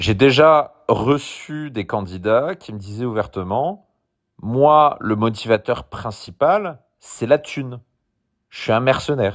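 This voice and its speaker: A man speaks very slowly at a medium pitch, his intonation lively and his loudness swinging widely, on a very clean recording with a silent background. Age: 30s. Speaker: dating coach and video blogger. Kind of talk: opinion monologue. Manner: hesitant, many fillers and repetitions.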